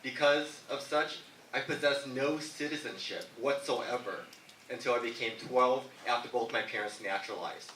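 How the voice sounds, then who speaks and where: Mayor guy at a debate, earnest storyteller, bright voice, mic far off. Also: medium pitch, steady tone, normal speed, a little hiss or hum. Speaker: mayor, political candidate. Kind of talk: debate answer. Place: debate hall. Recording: echoey hall from far off.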